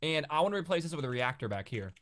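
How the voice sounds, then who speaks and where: A man's voice: on the high side, big pitch swings, fast talker, a bit bright. A man co-hosting a gaming series, chatting casually and thinking aloud while he plays. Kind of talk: casual gameplay chat.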